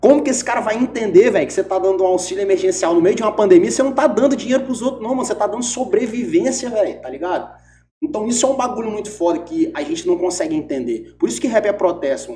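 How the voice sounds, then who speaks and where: Very fast and high-pitched, a man speaks in a dark, mellow tone with very wide pitch swings. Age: 30s. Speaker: rapper and music producer. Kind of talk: casual chat.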